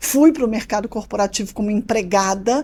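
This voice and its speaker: On a very clean recording with a silent background, a woman speaks at a moderate pace in a fairly high voice. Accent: Carioca. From Rio de Janeiro, Brazil (Leme, Zona Sul). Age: 60s. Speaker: influencer, writer and columnist. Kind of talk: panel talk / business interview. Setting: business center event.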